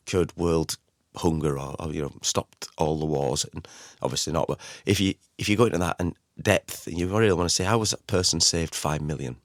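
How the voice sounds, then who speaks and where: A middle-aged man hosts an informal solo podcast in a deep voice with a slight croak. He talks conversationally and rambles, circling back over his phrases. The sound is dry, with no room echo. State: recovering from a croaky voice. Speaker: podcast host.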